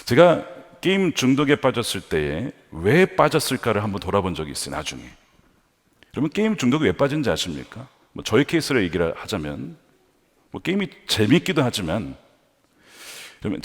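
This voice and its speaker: A man preaching a sermon as pastor, building to emphatic peaks and then dropping to quiet asides. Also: lowish voice, very animated, a little fast. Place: large church sanctuary. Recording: long hall reverb from a church sanctuary.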